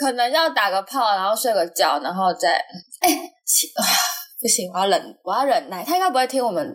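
Speaking at a fairly quick pace, a woman with a high pitch sounds animated, her voice making very wide pitch swings. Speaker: podcast host. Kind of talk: casual chat. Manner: animated, joking.

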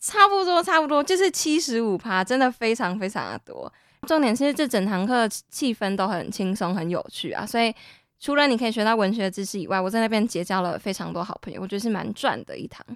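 On a very clean recording with a silent background, a woman with an ordinary speaking voice talks at a fairly quick pace with a fairly high pitch, lively intonation and big swings in loudness. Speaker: student podcast co-host. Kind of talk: casual chat.

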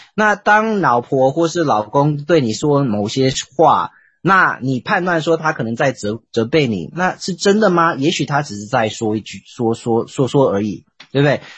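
A man's fairly high voice makes very wide pitch swings while he keeps a moderate pace. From United States. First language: English (speaking Chinese). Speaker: English teacher and TV presenter. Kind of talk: interview.

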